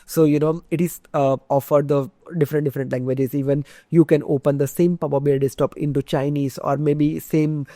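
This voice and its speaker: A man in his thirties from India with an Indian English accent, teaching a software tutorial in a conversational way with many "you know"s and "uh"s. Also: a little high, flat delivery, fairly quick, hardly any pauses, no echo, clean studio sound. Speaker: instructor. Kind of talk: screen-share tutorial lecture.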